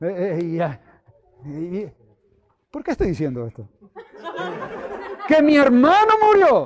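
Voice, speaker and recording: Over crowd noise, a man speaks at a very slow pace with long, frequent pauses. His loudness swings widely and his pitch rises and falls dramatically. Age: 60s. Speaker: theology instructor and preacher. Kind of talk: lecture. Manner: halting, many fillers.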